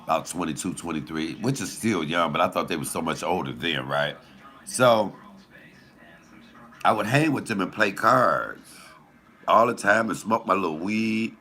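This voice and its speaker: A man with a deep voice telling a profane, animated comic story in casual storytelling style, laughing at his own jokes. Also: moderate pace, slight background noise. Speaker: comedian host.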